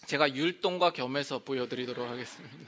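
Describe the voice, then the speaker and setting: A male pastor giving a conversational sermon in a church, often pausing with hesitation fillers between phrases. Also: mid-range voice, a bit bright. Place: church sanctuary.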